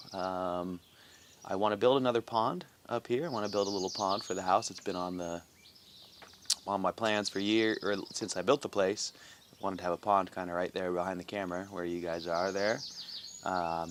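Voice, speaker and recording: A middle-aged man with a notably deep voice talks to his viewers in an upbeat, rambling morning chat. He fills pauses with "um" and restarts his sentences. He is recorded outdoors by his house, with faint birds and crickets behind him. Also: fairly bright tone, a little hiss or hum. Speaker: vlog host. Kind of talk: casual morning video diary.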